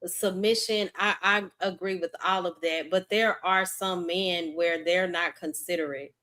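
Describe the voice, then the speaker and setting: A woman hosts a casual panel discussion with a voice that sits low for a woman. She speaks earnestly and laughs easily with the other panelists. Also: fairly even intonation, a little slow, fairly bright tone. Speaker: host.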